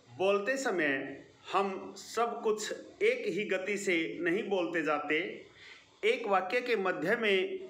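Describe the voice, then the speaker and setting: A man teaching a grammar lesson to schoolchildren in an online video, explaining slowly and stressing key words. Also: high-pitched, pushed and bright, roomy sound.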